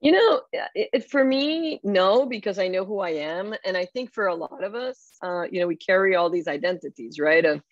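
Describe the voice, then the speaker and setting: A Puerto Rican elected official in her fifties speaks candidly and reflectively on a video-call panel from an indoor home room lined with bookshelves, often saying "you know." Her medium-pitched voice has lively intonation, a moderate pace and few pauses. The webcam audio is dull and dry.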